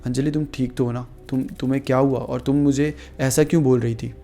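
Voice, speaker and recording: A man voicing a worried young man who keeps trying to calm his frightened partner. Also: medium pitch, a little fast, faint music behind, natural voice. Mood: soothing. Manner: worried, pleading, growing alarmed.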